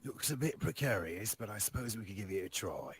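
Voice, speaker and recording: A refined undead gentleman acted by a man for a tabletop game, low and husky. He speaks in measured, polite phrases with a cautious, mournful temper. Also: expressive, no echo, exaggerated voice. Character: classy, cautious, melancholy male undead zombie adventurer.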